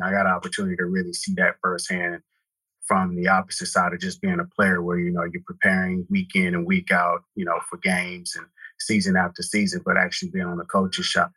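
A deep-voiced man from Houston, Texas, talks in an even, flat line. His tone is bright and a little husky, recorded dry and close. He rambles loosely and leans on many "you know" fillers. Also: dry recording, poor audio. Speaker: guest, real estate brokerage founder. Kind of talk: casual interview talk.

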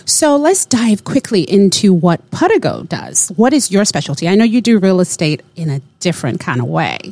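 A woman's voice: medium pitch, sing-song, moderate pace, a little mellow, no room sound. A woman hosting a podcast interview, opening with an upbeat, scripted welcome and asking questions. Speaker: podcast host.

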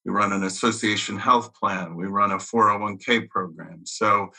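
A man's voice: fairly low pitch, steady tone, moderate pace, vocal fry, pushed and bright, low-quality recording. A man who leads a trade association, introducing it in a businesslike, list-like way. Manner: businesslike, listing facts. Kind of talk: panel self-introduction.

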